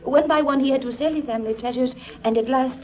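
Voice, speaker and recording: A woman's voice: high-pitched, fast talker, natural voice. A woman playing a wistful young French woman. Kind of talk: 1950s radio drama acting. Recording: dull old radio recording.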